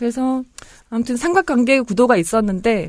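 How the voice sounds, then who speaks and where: This woman talks at a moderate pace. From South Jeolla, Korea (Yeosu). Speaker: actress. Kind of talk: interview. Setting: studio. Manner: nervous.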